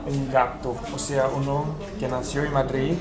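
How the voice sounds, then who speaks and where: Speaking in a mid-range voice with flat delivery and a measured pace, a Brazilian man hosts a casual street travel vlog outdoors in the city. He is a native Portuguese speaker with a Brazilian accent, and the busy crowd around him is clearly audible.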